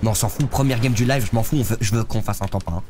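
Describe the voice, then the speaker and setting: Music plays beneath this young adult man's lowish voice as he talks fast. He's live-streaming a game from his gaming chair, congested with a head cold, and chatting with viewers in a slangy, easygoing way.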